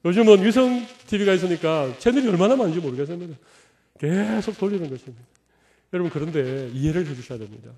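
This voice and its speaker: A man's voice: high-pitched, expressive, fast talker, mellow. Humorous, conversational middle-aged male pastor. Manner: humorous, conversational preaching with acted-out quotes. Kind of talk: sermon.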